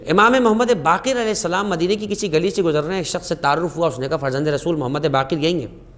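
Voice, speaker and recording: A man with a slightly high, somewhat bright voice is the guest scholar on a religious talk show. His storytelling is passionate, with sharp rises on key phrases and Arabic quotations recited slowly.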